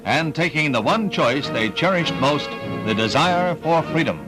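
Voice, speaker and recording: A man's voice: fairly high pitch, animated, a little slow. A man narrating an old 1960s newsreel in an emphatic, dramatic voice-over. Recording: voice-over over loud newsreel music.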